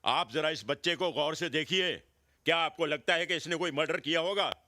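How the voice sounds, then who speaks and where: Fields: a sarcastic garage owner. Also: male voice, a little high, moderate pace, sharp tone, no room sound, studio quality. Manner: sarcastic, protective. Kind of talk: Hindi film acting.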